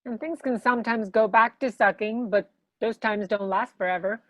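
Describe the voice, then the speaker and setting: A woman's voice: fairly high pitch, fairly even intonation, moderate pace, no room sound, natural voice. A woman playing a dry, pragmatic accomplice in a comedy table read, matter-of-fact in delivery. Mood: deadpan.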